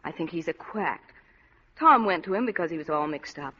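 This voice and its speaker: A woman's voice: deep voice, expressive, normal speed, slightly rough. A woman playing a flirtatious, scheming wealthy wife with a coy, teasing manner in a vintage radio drama. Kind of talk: 1940s radio acting. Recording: muffled old radio broadcast with music.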